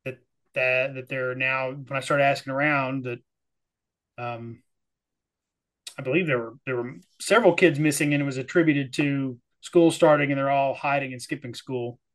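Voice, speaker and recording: A man from the Texas-Oklahoma area, talking casually as a player over a video call. He halts and repeats words as he pieces the story together, in an ordinary middle-pitched voice. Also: fairly even intonation, a bit bright. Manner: hesitant, halting, with repeated words. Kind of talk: casual chat recapping a tabletop game.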